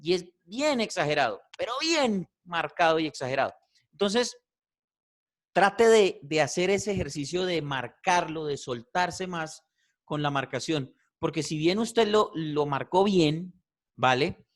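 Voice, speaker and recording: A man teaching a voice class, animated and repetitive, checking in with "¿cierto?" often. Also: a little high, measured pace. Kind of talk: online class feedback.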